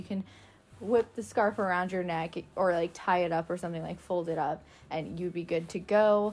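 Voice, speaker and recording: A woman talks at a fairly quick pace. Her medium pitch has ordinary variation. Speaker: fashion YouTuber. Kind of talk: casual fashion try-on vlog. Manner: loud; chatty, filler-heavy.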